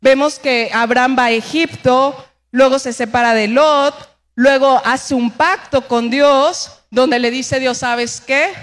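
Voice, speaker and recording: A woman pastor preaching a lively sermon, asking the congregation questions and acting out the voices she quotes. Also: sits high, takes it slowly.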